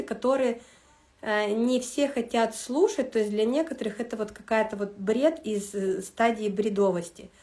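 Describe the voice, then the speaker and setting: Chatty woman host. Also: fairly high pitch. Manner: chatty, rambling, with many fillers and restarts. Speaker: online wellness school host. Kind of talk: casual livestream talk to followers.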